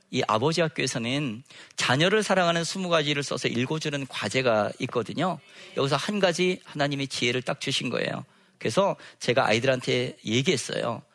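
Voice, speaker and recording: A man, a schoolteacher, giving an earnest church testimony. He speaks slowly and with emphasis, and acts out the dialogue. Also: fairly high pitch, fairly bright tone.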